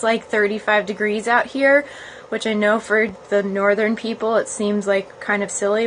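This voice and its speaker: A yoga blogger hosts a casual phone livestream from a small, cold, uninsulated cottage room. Her voice is fairly high and a bit bright, and she chats informally, sometimes reading aloud haltingly, with slight background noise.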